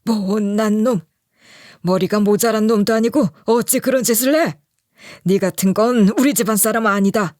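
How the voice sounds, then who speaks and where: A woman's voice: mid-range voice, normal speed, darkish tone, no echo, clean studio sound, natural voice. A woman voicing an older father-in-law harshly disowning his son. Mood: stern.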